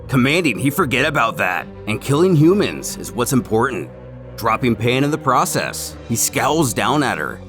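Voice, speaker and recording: A man delivers scripted recap narration with dramatic emphasis. His mid-pitched voice moves up and down in a lively way, with faint music playing behind him.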